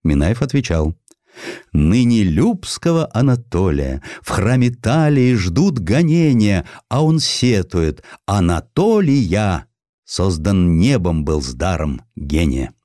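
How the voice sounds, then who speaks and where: A man narrating a historical sketch in an expressive scripted style, with dramatic, deliberate phrasing. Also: deep voice, no echo, clean studio sound. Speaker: audiobook narrator.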